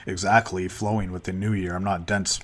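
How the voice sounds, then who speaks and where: A man's voice: low-pitched, little pitch movement. A Canadian man in his thirties hosting a solo podcast, rambling loosely with casual swearing. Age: 30s. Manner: loose, halting, many fillers and restarts, casual swearing. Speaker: podcast host.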